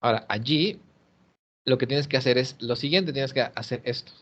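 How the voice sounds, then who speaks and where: A man teaches a private English lesson, patiently spelling out pronunciation rules. His mid-pitched voice comes through a dull, muffled video-call line. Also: fairly bright tone. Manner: patient, explanatory, models pronunciation slowly. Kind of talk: one-on-one online English lesson.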